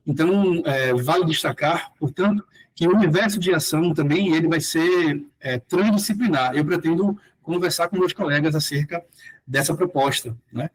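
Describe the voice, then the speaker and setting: Speaking at normal speed in a husky, slightly high voice, a Bahian philosophy teacher from Salvador, Brazil, talks through his research with many fillers and hesitations. His accent is Bahian Brazilian Portuguese, and he reads formal sections aloud. The recording quality is low.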